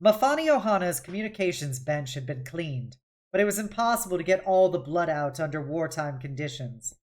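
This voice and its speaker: Casting: female read-along streamer, lower-pitched voice, dramatic storytelling delivery of prose narration. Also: a little mellow. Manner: dramatic, with occasional stumbles and self-corrections. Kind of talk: expressive audiobook-style novel reading.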